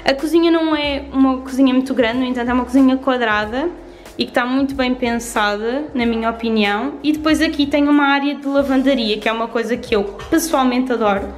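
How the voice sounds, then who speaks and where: A woman's voice: high-pitched, fast talker, roomy sound. Chatty Portuguese woman vlogger. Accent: European Portuguese. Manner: chatty and upbeat, fond of diminutives. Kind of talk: casual house tour vlog. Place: empty renovated flat indoors. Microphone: handheld camera at arm's length.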